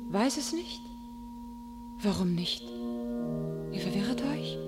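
An actress playing a tormented, homesick young shepherdess turned warrior, declaiming solemnly and fervently in a classical radio play. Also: female voice, medium pitch, expressive, slow. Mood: moved, searching. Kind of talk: classical German stage verse radio acting. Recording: radio play with loud music behind.

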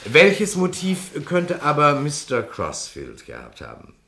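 An actor playing a shrewd, sardonic police detective in a German crime radio play, speaking in a deliberate, theatrical way. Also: male voice, a little high, huge pitch swings, bright, forceful tone, exaggerated voice. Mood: probing, needling.

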